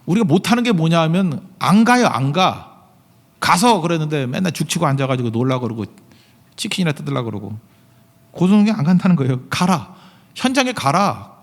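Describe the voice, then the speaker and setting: A middle-aged male pastor preaches in an emphatic, questioning style. His pitch swings widely as he presses each point home. His voice rings with the long reverb of a large church hall. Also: big pitch swings, brisk. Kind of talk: sermon.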